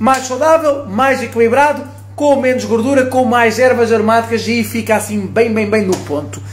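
This man's voice has an extremely high pitch, fairly even intonation and a moderate pace. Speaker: chef hosting live stream. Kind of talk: casual live stream chat. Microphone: phone near.

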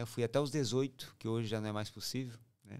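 Against a quiet background, a man talks at a moderate pace with a medium pitch and fairly even intonation. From southern Brazil (Paraná), born in Uruguay. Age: 40s. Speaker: football agent and former pro player; podcast guest, football coach. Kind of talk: interview. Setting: studio. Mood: calm, reflective. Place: studio. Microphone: studio mic.

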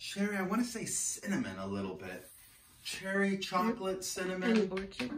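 A man with a high-pitched voice speaks against noticeable background noise. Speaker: home coffee reviewer. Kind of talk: casual tasting commentary. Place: kitchen. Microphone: camera far.

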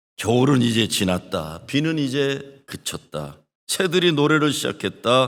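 The recording of this male speaker is very clean, and the background is silent. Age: old. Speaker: pastor. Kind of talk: sermon.

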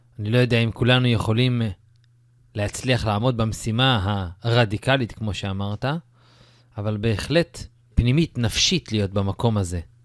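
A man speaks at a fairly slow pace and medium pitch. He leaves long, frequent pauses. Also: ordinary pitch variation. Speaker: podcast co-host. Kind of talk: casual chat.

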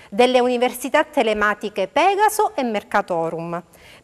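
Heard in a dry, close sound with no echo, a woman's high voice makes very wide pitch swings. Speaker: TV segment presenter. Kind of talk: scripted announcements.

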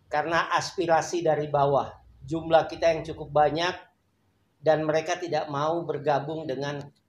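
Over light background noise, a man with a fairly high pitch speaks at a moderate pace in a monotone, flat intonation. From Talaud Islands, North Sulawesi; North Sulawesi. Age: 60s. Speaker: retired company worker, community elder. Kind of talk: casual interview chat. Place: cafe. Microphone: camera far.

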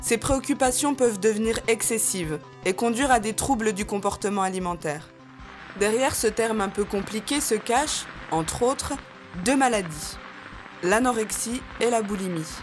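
A woman with a fairly high pitch and ordinary pitch variation, moving at a moderate pace with long, frequent pauses, music playing in the background. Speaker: voice-over narrator. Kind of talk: educational health narration.

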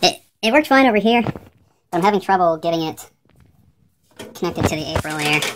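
Over noticeable background noise, a woman speaks at a fairly quick pace with long, frequent pauses and very wide pitch swings. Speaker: DIY homeowner. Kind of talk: DIY tutorial narration. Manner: sped up, fast; casual, hesitant. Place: home room. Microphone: phone near.

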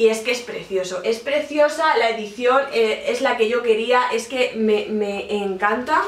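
A woman with a Spanish accent and a high pitch, ordinary pitch variation, and audible room echo. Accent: Spanish from Spain. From Castilla-La Mancha, Spain. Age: 20s. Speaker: book youtuber, journalist. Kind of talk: casual talk to camera. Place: home room.

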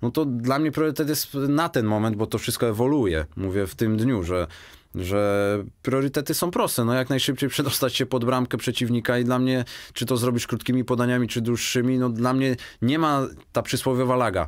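Against a quiet background, a man talks. He moves at a fairly quick pace with ordinary pitch variation. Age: 30s. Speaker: footballer; guest. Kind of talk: radio interview. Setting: radio studio. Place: studio. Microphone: studio mic.

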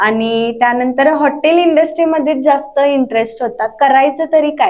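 In a Kolhapur accent, a woman talks at a high pitch. Her pitch varies in an ordinary way. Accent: Kolhapuri Marathi dialect. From Kolhapur, Maharashtra. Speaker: social media influencer. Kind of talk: interview. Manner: blunt, rustic speech.

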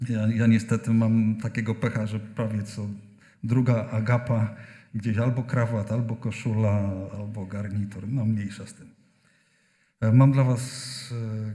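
A man's somewhat breathy voice at a fairly slow pace, fairly even in intonation, over a quiet background. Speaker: visiting pastor. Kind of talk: sermon greeting to congregation. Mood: warm, light-hearted. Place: church. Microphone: podium.

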